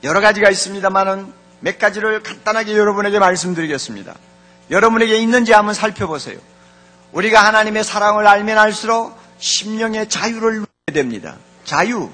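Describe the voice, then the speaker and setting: Male pastor preaching, high-pitched voice with a sharp edge, fervent and repetitive with his congregation. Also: fairly quick. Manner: fervent, repeats key words, addresses the congregation directly. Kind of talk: sermon.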